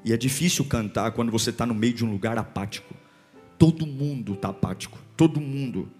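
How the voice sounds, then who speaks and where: A man preaching a sermon, swinging between loud bursts and hushed, repeated phrases. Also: medium pitch, fairly quick, in a large hall, soft background music. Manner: rhythmic repetition, calls for congregation to repeat. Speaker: pastor.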